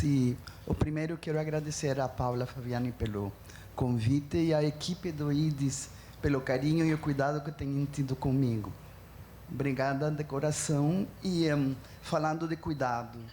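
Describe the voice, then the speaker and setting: A woman's voice: low-pitched, warm tone, a little hiss or hum. A woman with a Mexican accent speaking as a panelist, earnest and emphatic, with frequent fillers and restarts. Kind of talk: panel talk.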